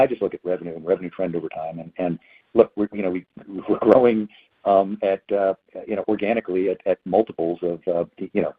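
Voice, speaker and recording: Male executive, quick but halting and repetitive, on a tinny phone-grade earnings call line. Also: deep voice, husky. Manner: halting, hesitant, repeats words. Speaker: company executive answering analysts. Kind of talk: earnings call question and answer. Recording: phone-like narrow band conference call.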